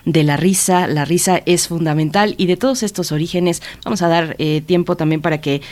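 A radio host, recapping the interview and announcing the guest in a smooth, flowing way. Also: mid-range voice, fairly even intonation, brisk, darkish tone.

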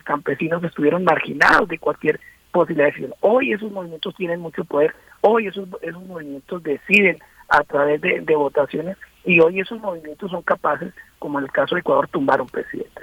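A man's voice: on the high side, breathy edge, no echo. Man, radio interview guest, hesitant restarts, tinny phone line, dry sound. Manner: thoughtful, many hesitations and restarts. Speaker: guest political analyst.

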